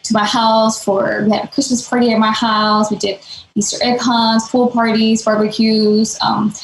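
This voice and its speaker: A woman's voice: on the high side, little pitch movement, normal speed, gravelly, a little hiss or hum. A woman, telling her story as a podcast guest in a casual way, with lots of "um" and "like". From Denmark. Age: late 20s. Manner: fluent, many fillers like "um" and "like". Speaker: guest, nonprofit founder. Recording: echoey room.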